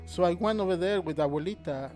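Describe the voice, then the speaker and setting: A middle-aged man telling a story in casual chat, animated, laughing often, speaking English with broken grammar. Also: high voice, fast, faint music behind. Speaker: guest, host's father.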